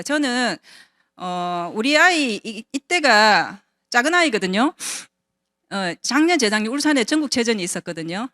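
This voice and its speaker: A woman in her fifties, invited to speak at a business seminar, shares a personal testimony conversationally and poses rhetorical questions to the audience. Her voice is medium-pitched and a bit bright, with no room sound.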